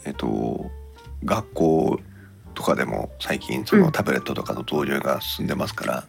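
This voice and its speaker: A man with a low, gravelly voice hosts a casual gadget podcast with music underneath. His intonation moves around a lot as he chats and thinks aloud, turning courteous for the listeners. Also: big pitch swings, moderate pace. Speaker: podcast host.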